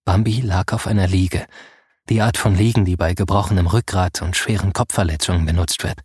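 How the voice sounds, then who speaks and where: A man narrating a first-person audiobook in a soft, grave storytelling manner. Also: low-pitched, fairly even intonation, a little fast, husky, no echo, clean studio sound.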